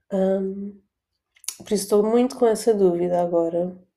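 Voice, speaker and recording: A woman with a European Portuguese accent speaks at a fairly slow pace, her medium-pitched voice dark and mellow in tone. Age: 30s. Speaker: podcast host. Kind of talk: casual monologue. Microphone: computer's built-in microphone.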